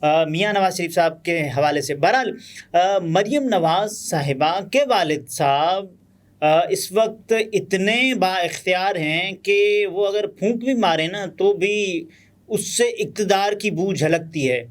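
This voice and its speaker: A man with a Pakistani Urdu accent giving conversational political news commentary, pausing often with fillers. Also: sits high. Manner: conversational, many pauses and fillers.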